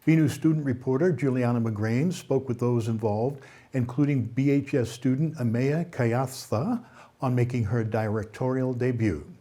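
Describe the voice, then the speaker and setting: Mellow-voiced man anchoring local news. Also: mid-range voice, normal speed.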